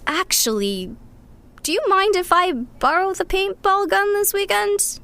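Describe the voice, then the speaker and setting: A woman's voice: very high-pitched, a little slow, bright, forceful tone, dry recording, exaggerated voice. A woman playing a cocky, scrappy young resistance scavenger with a casual, flippant manner in a sci-fi audio drama. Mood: breezy, wry.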